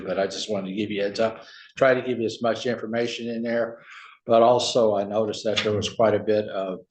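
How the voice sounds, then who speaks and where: A man's voice: on the low side, darkish tone. A man speaking informally at a public meeting, often trailing off with "so" and "you know.". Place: county meeting room. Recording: echoey room.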